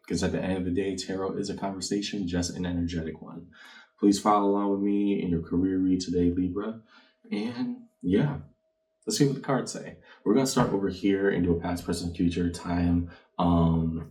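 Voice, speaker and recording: Male tarot reader, low-pitched, reflective and conversational, addressing the viewer; distant, echoing room mic. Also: dark tone. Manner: reflective, speaks directly to the viewer. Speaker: tarot card reader and channel host. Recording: roomy, distant mic with background noise.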